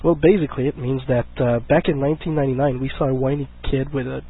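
A man with a husky voice, sick this week, hosting a casual fan talk show and chatting in a joking, rambling way. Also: mid-range voice, steady tone, fast. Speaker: podcast host. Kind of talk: casual chat. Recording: lo-fi phone-like internet stream.

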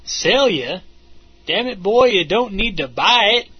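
A man playing a husky, scheming ghost uncle. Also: sits high, animated, a little slow, exaggerated voice. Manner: folksy, drawling, wheedling. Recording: muffled lo-fi recording.

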